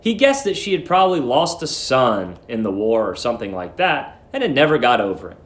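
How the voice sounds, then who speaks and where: A man's voice: medium pitch, sing-song, a little fast, roomy sound. A man narrating a short story as a dramatic reading.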